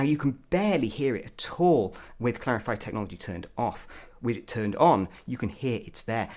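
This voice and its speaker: A man's voice: medium pitch, a little mellow. A man giving an opinionated, blunt product review as a tech reviewer.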